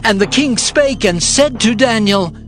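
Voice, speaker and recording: A man's voice: sits high, expressive, measured pace, a bit bright. A man narrating scripture dramatically, in a solemn storytelling manner. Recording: clear music behind the voice.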